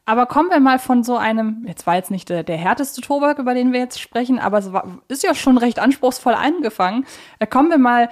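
A woman's voice: a little high, expressive, fairly quick. Woman co-hosting a conversational podcast. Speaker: podcast co-host.

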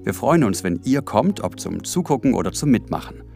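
A man's voice: lowish voice, a little fast, vocal fry. A man co-hosting a podcast, reading the scripted outro in an upbeat way. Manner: lively, upbeat announcing. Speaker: podcast co-host. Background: music.

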